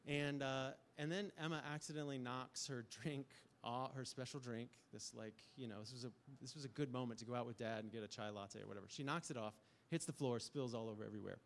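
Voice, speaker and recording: A man's voice: mid-range voice, quick pace, hardly any pauses, slight background noise. A middle-aged man giving a conversational sermon as pastor, telling stories with frequent fillers. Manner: storytelling, animated with frequent fillers.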